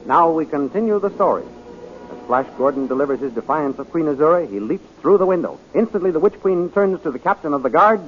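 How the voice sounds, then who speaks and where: A man's voice: a little high, animated, fast. A man announcing and narrating a 1930s radio adventure serial in a dramatic, declamatory style. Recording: dull 1930s radio recording with music.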